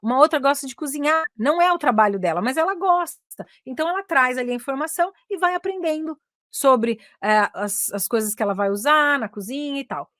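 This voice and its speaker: A Brazilian woman coaching English communication, chatting in a lively teaching manner and often switching into English with a Brazilian accent. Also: sits high, a little fast, dry recording, studio quality. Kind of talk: casual teaching talk.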